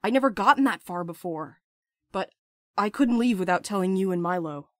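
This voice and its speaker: A woman's voice: mid-range voice, animated, moderate pace, a bit bright, no echo, studio quality, lightly acted. An actress playing a brash, impulsive young woman with crude, sarcastic banter in an audio drama. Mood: urgent. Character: brash, playful, impulsive young postal worker friend.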